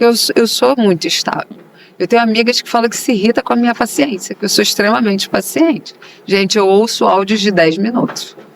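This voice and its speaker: Noticeable background noise sits under words spoken at a fairly quick pace. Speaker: business trainer and speaker. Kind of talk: podcast interview. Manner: animated, very expressive.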